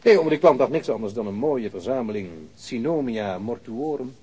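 Husky, cynical body removal worker. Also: male voice, medium pitch, animated, moderate pace, darkish tone. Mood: sardonic. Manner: sardonic, blunt. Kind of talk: Dutch radio play acting.

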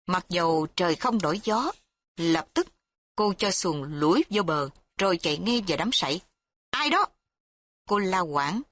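A woman's voice: on the low side, expressive, moderate pace, fairly bright tone. Woman reading a story aloud. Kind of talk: scripted story narration.

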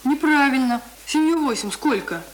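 A village teenage girl in a radio play. She gives instructions in a bossy, teasing way with a fairly high voice. Clear noise sits on the recording. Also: expressive, moderate pace, poor audio. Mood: bossy, instructing. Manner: instructing, mocking.

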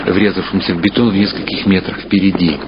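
A man narrating a story for radio in a measured, somber way. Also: sits low, little pitch movement, background noise. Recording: dull archival radio recording with loud music.

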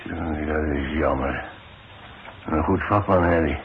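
An actor playing an old retired demolition man in a 1960s radio play, wry and halting, with colloquial working-class speech. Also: a bass voice, heavily acted. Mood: reflective. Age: older. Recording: muffled, noisy 1960s radio recording.

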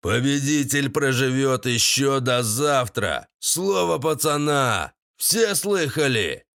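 Audiobook thug: narrator putting on a slow-drawling shaven-headed gang leader, gravelly low, dry close read. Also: male voice, lively intonation, fairly bright tone, dry recording, exaggerated voice. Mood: menacing. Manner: drawling crude street slang.

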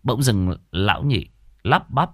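A man narrating a comic ghost story in a colloquial, lively manner. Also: mid-range voice, slow pace, slightly rough, no room sound, studio quality.

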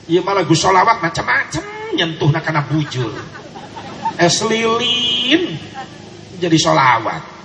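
A man with a Sundanese accent preaching a sermon, animated, swinging between shouts and soft asides. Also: a little high, fairly quick, gravelly, some chatter behind. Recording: echoey hall with faint noise.

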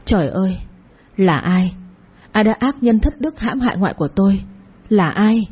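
A woman's voice: mid-range voice, animated, moderate pace, slightly rough, lo-fi sound. A woman voicing a grief-stricken young village woman who pleads and talks through her distress. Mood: distraught.

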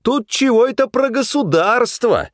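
A man voicing a furious middle-aged man who yells scornful insults. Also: very high-pitched, animated, a little slow, no echo, clean studio sound, voice pushed up. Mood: furious mocking. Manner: yelling, mocking, scornful.

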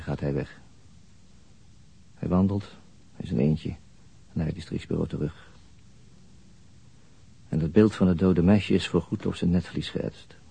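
An actor playing a weary, haunted narrator in a radio crime drama, musing slowly and introspectively. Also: male voice, low voice, mellow, full character voice. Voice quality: husky, breathy. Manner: slow, introspective, halting monologue. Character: brooding, weary male narrator haunted by a murder.

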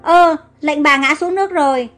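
Flustered royal servant, anxious, high voice, as a woman reads, faint music. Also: normal speed. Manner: flustered, excited. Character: loyal fretful royal servant.

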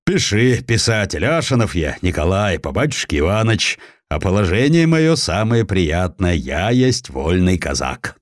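A man's voice: low-pitched, big pitch swings, unhurried, dry recording, studio quality. A man voicing a brash, free-spirited big Cossack with a bold, folksy way of talking, in an audiobook. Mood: jaunty, bold. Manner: folksy, plain-spoken, bold. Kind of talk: acted dialogue in an audiobook.

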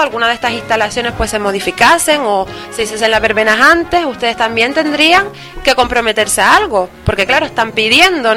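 Woman co-host, slightly high voice, recaps each answer, music beneath. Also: bright, forceful tone. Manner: sums up answers, many "vale"s. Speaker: radio co-host. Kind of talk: local radio chat.

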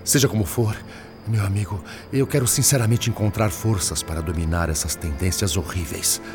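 A man's voice: low-pitched, normal speed. A man with a Brazilian Portuguese accent playing a troubled spirit father who earnestly confesses his struggle in a radio drama. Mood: earnest, anguished. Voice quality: earnest, pleading. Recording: radio play with faint music.

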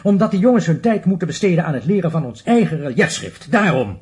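An actor playing a stern, haughty middle-aged institute director in a Dutch radio play, pompous, clipped and commanding. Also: male voice, a little high, very animated, fast, a little mellow. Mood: stern, irritated.

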